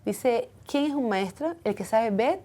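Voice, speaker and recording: A woman's voice: a little high, animated, a little slow, warm tone. A woman speaking earnestly and reflectively as a guest in a personal interview. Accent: foreign accent when speaking Hebrew. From from outside Israel.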